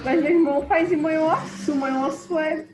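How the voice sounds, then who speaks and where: A woman's voice: sits high, fairly even intonation, moderate pace, over a noisy crowd. A woman student joking and teasing the teacher during class. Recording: echoey room with clear background noise.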